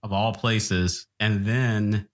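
A man co-hosting a casual chat, trading gossip in a teasing, animated way. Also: fairly low pitch, very slow.

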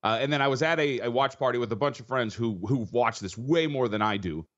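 A husky, tired-sounding man who talks at a rapid clip, piling stat after stat into his analysis. He stumbles and restarts as he goes. The line is dull and lo-fi, as if he is calling in remotely. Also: medium pitch, a bit bright. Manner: fast, stat-heavy, with frequent restarts. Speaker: betting analyst guest. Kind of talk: rapid sports betting analysis.

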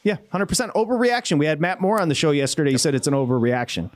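A male sports-betting host on the radio, ranting with lots of energy and quick asides. His voice sits a touch high and jumps all over in pitch. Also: sing-song. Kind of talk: casual sports radio talk.

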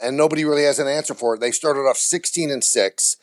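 A man's voice: mid-range voice, quick pace. A man speaking as an interview guest, candid and blunt, with vivid comparisons. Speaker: baseball TV play-by-play announcer, guest.

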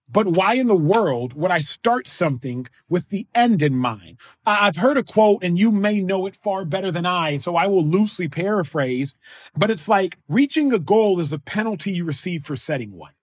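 A man in his thirties, a podcast guest, talking in an energetic, emphatic, slangy way. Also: high-pitched, slightly rough, dry recording. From Nigerian family, raised in the US. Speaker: podcast guest, former football player. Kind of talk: casual interview talk.

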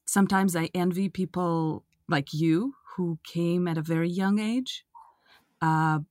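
Low-voiced woman interviewer, dry sound. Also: steady tone, a little slow, darkish tone, dry recording. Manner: reflective, asks thoughtful questions. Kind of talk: conversational interview.

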